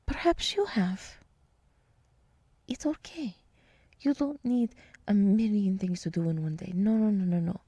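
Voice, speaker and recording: A woman voicing a gentle, nurturing deer woman in an ASMR roleplay, speaking softly in half-whispers with soothing, reassuring pauses. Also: mid-range voice, breathy edge, no echo. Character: gentle, nurturing deer woman, encouraging forest monster girl.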